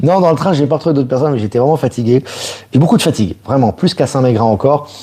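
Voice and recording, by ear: Doing a put-on character voice, a man talks at a very fast pace with a hoarse sound and medium pitch.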